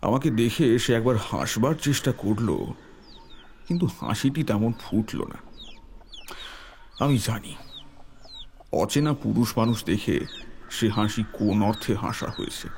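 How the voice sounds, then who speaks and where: A man tells a scripted ghost story as its narrator. His voice is fairly low and his delivery measured and literary. A faint layer of noise lies behind him. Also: darkish tone. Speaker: story narrator, telling it in the first person.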